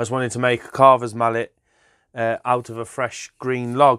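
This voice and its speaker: The recording of this man is dry, with no echo and a quiet background. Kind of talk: casual vlog chat. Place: workshop. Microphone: lapel.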